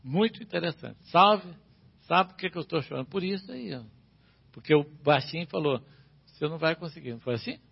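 A man's voice: fairly high pitch, very animated, brisk, vocal fry, slightly rough, dull audio. A man preaching a sermon as pastor, asking his listeners the same questions again and again. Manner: preaching with repeated rhetorical questions.

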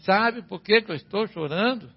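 A man's voice: sits high, animated, moderate pace, vocal fry, husky, highs cut off. A man preaching a sermon as pastor, asking his listeners the same questions again and again. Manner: preaching with repeated rhetorical questions.

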